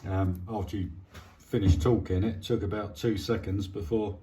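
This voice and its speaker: A man's voice: fairly low pitch, fairly even intonation, moderate pace, mellow. A man giving a casual, hesitant, understated commentary as he does a hands-on repair, thinking aloud. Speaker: hobbyist presenting a radio repair. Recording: clearly noisy home recording with clicks.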